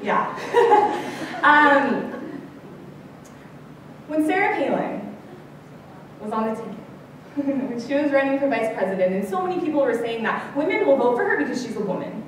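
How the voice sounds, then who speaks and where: Young woman, keynote speaker, earnest and conversational; slightly high voice, heard from far off in an echoey hall with faint noise. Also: sing-song, moderate pace, long pauses. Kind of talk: conference speech. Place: large conference hall.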